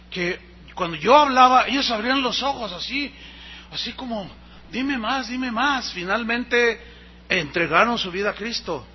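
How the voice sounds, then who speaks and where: Mexican pastor, high husky voice. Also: male voice, muffled recording. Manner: animated storyteller acting out dialogue. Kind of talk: sermon with personal storytelling.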